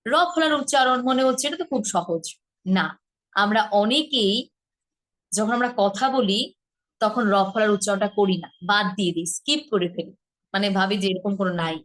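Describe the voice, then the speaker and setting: A woman teaching a pronunciation lesson from her home, patiently repeating each word slowly to demonstrate. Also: mid-range voice. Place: rented home in a city.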